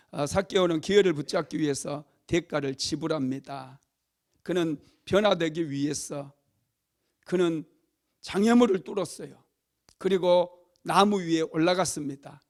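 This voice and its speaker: High-voiced Korean pastor preaching. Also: male voice. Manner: dramatic storytelling, loud acted cries for emphasis. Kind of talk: sermon.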